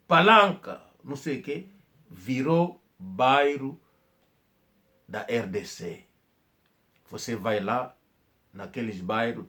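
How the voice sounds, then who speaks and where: A man's voice: medium pitch, fairly bright tone. A man with an Angolan Portuguese accent giving an emphatic spoken commentary, with coughs and restarts. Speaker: channel host.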